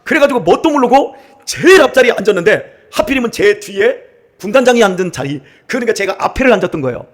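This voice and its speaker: A middle-aged male pastor from central Korea preaches in a church sanctuary, his voice sitting high for a man. He swings widely up and down as he tells humorous stories and acts out how other people talk. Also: fast talker. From Chungcheong region, Korea. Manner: animated, acts out dialects and laughs while telling stories. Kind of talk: sermon with humorous storytelling.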